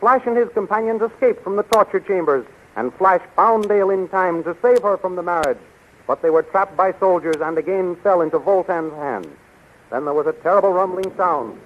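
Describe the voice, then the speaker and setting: High-voiced male announcer, tinny 1930s radio. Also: brisk, slight background noise. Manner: dramatic, declamatory. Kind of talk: 1930s radio scripted narration.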